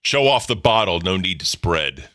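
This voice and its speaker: A deep-voiced man in his thirties hosting a livestream, talking casually in a blunt, profane, rambling way. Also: big pitch swings, normal speed, pushed and bright. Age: 30s. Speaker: livestream host. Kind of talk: casual chat.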